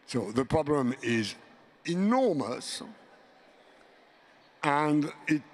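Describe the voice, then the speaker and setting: An older man speaking on a conference panel as a commission member, slow and deliberate with long pauses. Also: fairly high pitch, big pitch swings. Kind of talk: panel discussion remarks.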